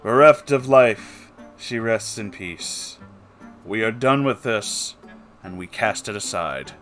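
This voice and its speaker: A man's voice: on the low side, animated, slow, a bit bright. A man hosting a bad-story reading show, talking casually to viewers in a theatrical, wry, self-deprecating way with some swearing. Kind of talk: casual rambling talk to viewers. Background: plucked guitar music.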